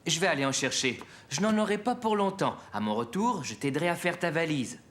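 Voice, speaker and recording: A man voicing a gentle, helpful young father in a French cartoon, talking patiently and reassuringly. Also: a little high, lively intonation, a little fast. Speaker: dad of a small boy.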